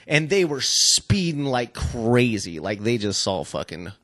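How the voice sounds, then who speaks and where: A man's voice: medium pitch, sing-song, measured pace, fairly bright tone, dry recording. Casual man spinning stories, close dry sound. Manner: rambling, peppered with "like" and swearing. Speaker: podcast co-host telling stories. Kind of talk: casual profane storytelling chat.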